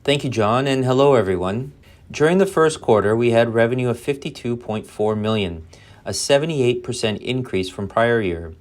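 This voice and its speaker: A man's voice: medium pitch, normal speed. A man speaking as a chief financial officer, formally and carefully reading out a scripted financial report on an earnings call.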